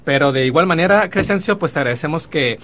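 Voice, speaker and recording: A man's voice: fairly high pitch, lively intonation, quick pace, fairly bright tone. A man hosting a radio interview in a studio booth, chatty with frequent fillers. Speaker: radio show host.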